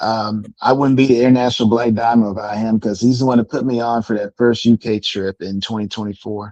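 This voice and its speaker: With an American accent, a man speaks at a fairly quick pace and hardly any pauses, his medium-pitched voice dark and mellow in tone, his intonation monotone and flat, and the sound dry and close with no echo. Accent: slight Southern accent, comes out sometimes. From US South. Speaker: wrestling commentator and manager. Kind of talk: podcast interview.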